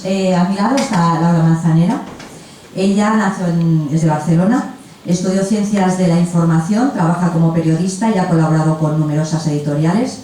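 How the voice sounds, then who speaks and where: A woman with a mellow, lowish voice moderates a festival literary panel, bringing on her guests in a talkative, gushing, relaxed manner. The event room's echo, the far-off mic and faint noise color the recording.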